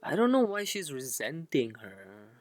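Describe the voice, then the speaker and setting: A woman streamer chats casually with her viewers while reacting to a game. She talks slowly and offhandedly, in a laid-back manner. The sound is close and dry. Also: deep voice, very animated, no echo. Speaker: livestreamer.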